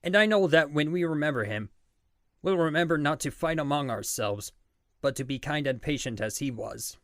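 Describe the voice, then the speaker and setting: A gentle bereaved father, played by a man, wise and patient, with a higher-than-usual male voice. He speaks in an earnest, consoling way for an audio drama, in a dry recording. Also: expressive, moderate pace, no room sound. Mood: solemn consoling.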